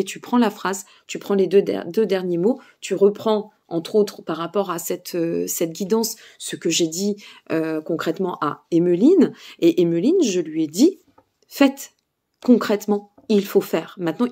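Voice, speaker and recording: A woman's voice: mid-range voice, mellow. A tired woman with a Burgundian French accent, giving spiritual guidance advice to camera, hesitant with many fillers and checking in with her listeners. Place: seated indoors.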